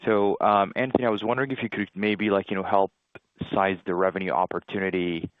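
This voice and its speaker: A man's voice: sits low, little pitch movement, a little fast, no echo. A man asking a spontaneous question as an analyst, hesitating often with ums and uhs. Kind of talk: spontaneous question on earnings call. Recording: narrow dry phone line.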